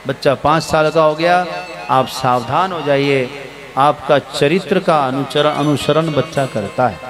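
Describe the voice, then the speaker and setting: A man giving a Hindu religious discourse to listeners, preaching about raising children and acting out household exchanges with quoted voices. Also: fairly high pitch. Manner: preachy, acts out household dialogue. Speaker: Hindu spiritual teacher.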